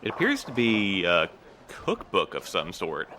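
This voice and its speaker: An actor playing a guarded, weary postmaster in an audio drama, speaking in a careful, slightly formal, measured way. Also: male voice, deep voice, huge pitch swings, pushed and bright, a little hiss or hum, exaggerated voice. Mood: measured, thoughtful. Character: guarded, weary postmaster man, evasive but courteous. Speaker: actor in a fiction podcast.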